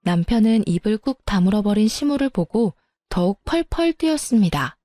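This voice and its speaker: A woman narrating a family story in the first person, in an even storytelling manner. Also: mid-range voice, normal speed, dry recording. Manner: even, storytelling, politely firm in quoted lines.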